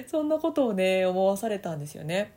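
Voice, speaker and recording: Kansai woman, mid-pitched and very animated, giggly solo podcast chat. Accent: Kansai Japanese. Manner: laughs often between phrases. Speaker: audio podcaster and voice coach. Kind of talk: casual solo podcast talk.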